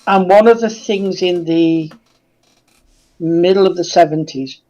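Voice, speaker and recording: Muffled, lo-fi audio carries a man with a soft-edged, mellow voice. He speaks hesitantly as an informal panellist, repeating words as he sets out a point. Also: high-pitched, a little slow. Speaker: discussion panellist. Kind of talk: informal discussion, raising objections.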